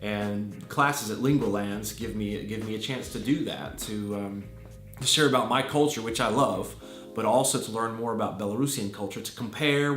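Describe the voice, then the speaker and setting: In an echoey room with faint music, a man in his thirties from Virginia, USA, answers interview questions with an American accent. He's an English teacher, earnest and thoughtful, with small fillers and restarts, and his medium-pitched voice is a bit bright.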